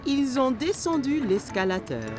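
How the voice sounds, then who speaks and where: Female narrator for kids' cartoon: lively, expressive storyteller, mid-range pitch, music underneath. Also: measured pace. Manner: expressive storytelling in simple sentences. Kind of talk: scripted children's story narration.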